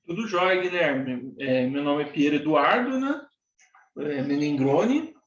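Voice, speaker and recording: A man's voice: fairly high pitch, lively intonation, slow pace. Man, 40s, interviewee; plain-spoken and earnest, dull lo-fi recording. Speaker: interviewee, former factory worker. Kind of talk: casual interview talk. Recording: echoey room, dull lo-fi sound.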